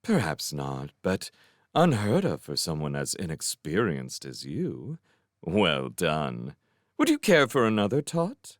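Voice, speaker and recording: A man's voice: low voice, wildly swooping pitch, slow pace, no echo, studio quality, full character voice. A man reading aloud, voicing a poised young woman who speaks sweetly and teases with a sly, condescending edge. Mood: sweetly probing.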